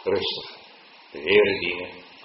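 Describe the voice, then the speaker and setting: A man preaching a sermon to his congregation in church, now and then rising into loud, high, drawn-out calls. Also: fairly even intonation, echoey room, lo-fi sound, a little hiss or hum. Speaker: pastor.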